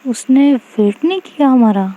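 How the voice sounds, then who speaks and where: A woman's voice: sits high, animated, measured pace, mellow, slight background noise, voice pushed up, rough recording. A woman voicing a young woman who is hurt and sulking over her partner. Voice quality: whiny, hurt.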